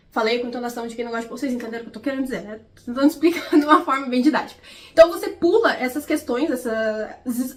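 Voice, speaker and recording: A young woman vlogging casually about books in a chatty, explanatory way, often checking in with her viewers. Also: sits high. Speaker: book vlogger. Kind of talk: casual vlog commentary.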